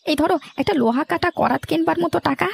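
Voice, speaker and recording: A woman voicing an agitated, secretive village gentleman who pleads in a cartoon story. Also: high-pitched, fast, gravelly, dry recording. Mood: pleading, urgent. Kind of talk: Bengali cartoon story dialogue. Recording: faint music behind.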